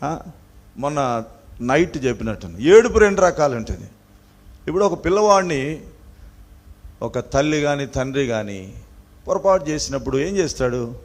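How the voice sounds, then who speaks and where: A man preaching a sermon with a Telangana Telugu accent, asking the congregation questions and swinging between loud emphatic peaks and quiet asides. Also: mid-range voice, big pitch swings, moderate pace, pauses often. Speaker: pastor.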